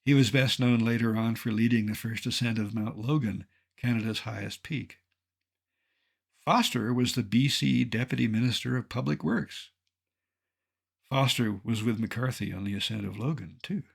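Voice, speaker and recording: A man in his seventies from Colorado, a naturalist giving an illustrated lecture with dry, wry humor and a measured delivery. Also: mid-range voice, creaky, slightly rough. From Colorado, United States. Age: 70s.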